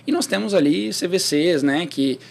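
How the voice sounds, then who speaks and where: Relaxed man. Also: sits high, normal speed, gravelly. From interior of São Paulo state, Brazil. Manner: relaxed and conversational, with frequent restarts and rhetorical questions. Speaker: guest, startup accelerator professional. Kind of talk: casual interview chat.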